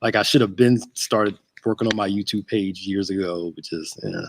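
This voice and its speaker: A man's voice: low voice, normal speed, slight background noise. A man in his thirties hosting a casual livestream chat, joking and greeting viewers by name. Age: 30s. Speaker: host.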